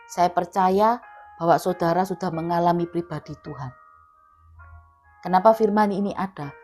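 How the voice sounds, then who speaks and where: A woman's voice: lowish voice, moderate pace, a little mellow. Emphatic woman preaching over faint music. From Indonesia. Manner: emphatic, repeats key words, acts out quoted dialogue. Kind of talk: sermon. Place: online prayer meeting, remote.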